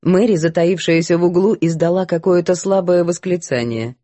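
A woman reading a novel aloud as audiobook narrator, even and clear. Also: on the low side, normal speed, no echo. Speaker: audiobook reader. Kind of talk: scripted story narration.

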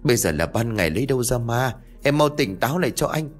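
A man voicing an anxious young husband trying to calm his wife, soothing and urgent. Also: mid-range voice, quick pace, soft background music, natural voice.

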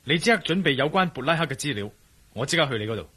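A decisive adventurer hero in a Cantonese radio drama, speaking quickly and tersely. His voice is bright and slightly husky. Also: on the high side, expressive, exaggerated voice. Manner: brisk, terse and businesslike. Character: adult male adventurer hero, calm and decisive.

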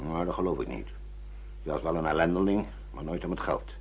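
An older actor playing a stern, pragmatic father who lectures and reproaches, with a raspy voice, in a Dutch radio play. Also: a bass voice, fairly quick, exaggerated voice. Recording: dull lo-fi radio play recording.

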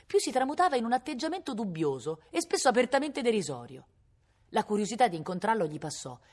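A woman reading a novel aloud at a public library in an expressive, dramatic storytelling manner. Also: on the low side, breathy edge. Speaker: reader.

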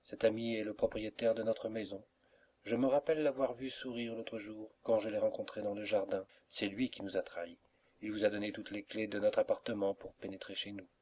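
A man's voice: lowish voice, fairly even intonation, fairly quick, a little mellow, natural voice. A man reading the lines of a shy, anxious young woman in an audiobook, with hesitant, pleading questions. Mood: eager.

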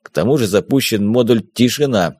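A man's voice: fairly low pitch, animated, brisk, a little mellow, husky, no room sound. A man voicing a jovial, confident middle-aged German smuggler captain in an audiobook, with a teasing, confiding manner.

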